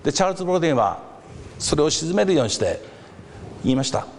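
A male pastor delivers a sermon as a story, his voice rising and falling with lively, expressive swings. He acts out the shouts of a crowd along the way. The sound carries a long hall reverb, with a faint hum of noise underneath. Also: fairly high pitch, fast talker.

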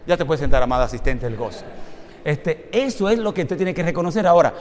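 High-voiced pastor preaching. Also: male voice, fast, in a large hall, slight background noise. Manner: animated, humorous storytelling. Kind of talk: lively preached sermon.

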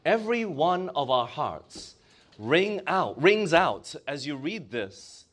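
A man's voice: on the high side, fairly bright tone. A male preacher with a Malaysian accent, delivering a sermon and asking his congregation questions as he stresses key words.

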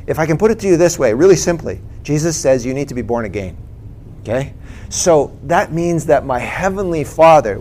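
A man's voice: mid-range voice, darkish tone, a little hiss or hum. A middle-aged man co-presenting a Christian talk, sharing his personal story in a conversational way and often checking in with "right?" and "okay?".

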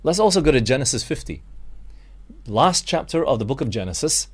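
A man's voice: mid-range voice, sing-song, a little fast, husky. A Malaysian man preaching a sermon, earnest and direct, calling his listeners friends and asking them rhetorical questions.

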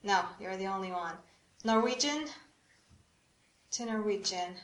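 A woman's voice: mid-range voice, animated, a little slow. A woman from Romania, leading a church workshop on prayer and drawing the audience in with questions. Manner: engaging, asks the audience questions. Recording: echoey room.

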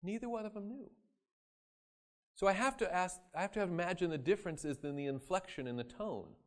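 A man preaching a sermon, acting out quoted voices and swinging from loud emphasis to quiet asides. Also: high voice, brisk. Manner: dramatic, acts out voices in quoted scripture.

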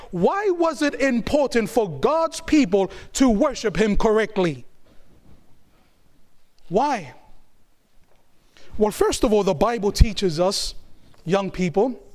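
A man's voice: high-pitched, darkish tone. A man from New Zealand preaching a sermon in an emphatic style, repeating key phrases and calling for answers from the congregation. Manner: call-and-response, asking the congregation to answer.

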